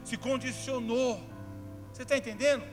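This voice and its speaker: A Brazilian man, a pastor, preaching a sermon, telling stories in a chatty way that builds to fervent shouting. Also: very high-pitched, steady tone, normal speed. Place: church hall. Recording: reverberant church hall, faint music behind.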